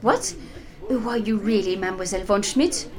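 A woman's voice: mid-range voice, normal speed, close to an everyday voice. A woman in her twenties playing a hesitant young French company heiress with a French accent, in an audio drama. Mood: alarmed. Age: 20s. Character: young French woman heading aircraft firm.

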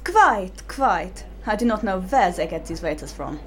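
A woman's voice: mid-range voice, animated, unhurried, a bit bright. A woman playing a haughty, menacing female spy, in an audio drama. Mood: smooth, scheming. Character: scheming female German spy posing as journalist.

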